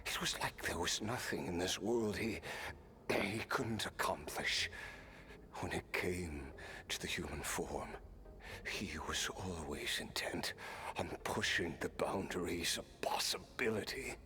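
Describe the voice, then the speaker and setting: Deep, weary immortal warrior. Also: male voice, measured pace, sharp tone, soft background music. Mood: wistful, reflective. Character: weary immortal male warrior reminiscing, wry and stoic. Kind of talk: scripted game character dialogue.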